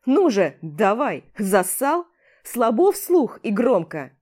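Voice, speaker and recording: A woman's voice: medium pitch, animated, normal speed, mellow, lightly acted. Woman doing a snarling young soldier. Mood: defiant. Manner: snarling, defiant. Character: hot-headed young male special forces sniper in a fight.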